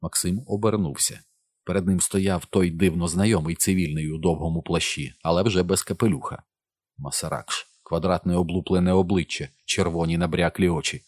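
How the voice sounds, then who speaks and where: Deep-voiced man narrating an audiobook. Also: fairly even intonation, fairly quick, a little mellow, dry recording.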